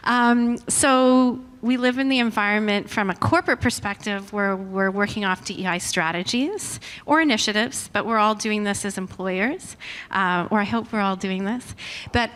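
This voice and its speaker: A woman's voice: mid-range voice, moderate pace, a bit bright, clean tone. Hesitant woman asking from the hall. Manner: hesitant, repeats herself. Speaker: audience questioner. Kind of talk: asking a panel question. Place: conference hall. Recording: reverberant hall with background noise.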